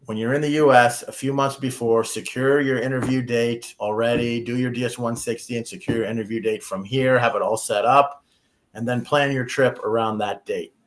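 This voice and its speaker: This man, a US immigration lawyer appearing on a talk show, has a mid-range voice, a steady tone and a moderate pace. His advice is practical, and he tends to repeat himself whenever he starts a sentence.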